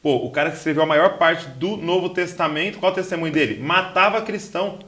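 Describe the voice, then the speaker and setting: A man's voice: a little high, fast talker, bright, forceful tone. A man with a Brazilian accent hosting a podcast in casual chat, explaining informally with slang and rhetorical questions. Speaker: podcast host.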